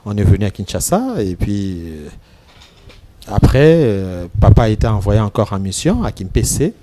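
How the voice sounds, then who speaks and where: A man with a Congolese French accent, a Catholic priest, speaking as a studio guest and recalling his life slowly, with pauses and fillers. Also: lowish voice, very animated, heavy background noise. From Democratic Republic of the Congo. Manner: measured, hesitant, many pauses and fillers. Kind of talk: casual interview talk, mixing French and Lingala.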